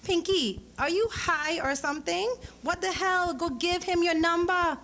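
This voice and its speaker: Woman reader as teasing teen girl, raised pitch, emphatic and slangy, storybook dialogue, noisy recording. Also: measured pace, a bit bright, exaggerated voice. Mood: teasing, insistent. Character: pushy, teasing teenage Trinidadian girl friend. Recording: clearly noisy live event recording.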